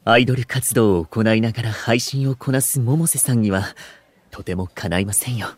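An actor playing a courteous, bookish young food streamer in an audio drama, speaking in formal, literary, gentlemanly phrases. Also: male voice, mid-range voice, moderate pace, dry recording, close to an everyday voice. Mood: humble earnest. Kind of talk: Japanese audio drama acting.

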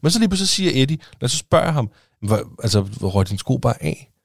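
A man co-hosting a podcast, casually telling a lively anecdote with acted-out dialogue and some swearing. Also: mid-range voice, vocal fry, dry recording, clean studio sound. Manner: animated storytelling, swearing, acting out dialogue. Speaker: podcast co-host. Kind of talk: casual chat.

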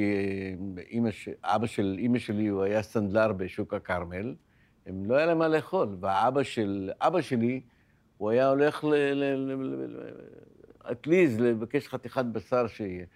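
A man's voice: fairly low pitch, darkish tone, dry recording. An older man, a podcast interview guest, telling his life story in an emotional, vivid way, often repeating words as he speaks.

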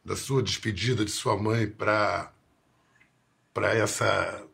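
A man interviewing an actress, asking gentle, probing questions. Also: fairly low pitch, steady tone, slow, creaky, slightly rough.

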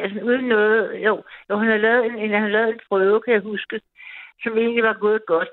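A woman in her fifties calling in, rambling through a personal story and repeating herself a lot. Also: mid-range voice. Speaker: caller. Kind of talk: personal storytelling on a call-in show. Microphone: telephone. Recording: tinny phone line.

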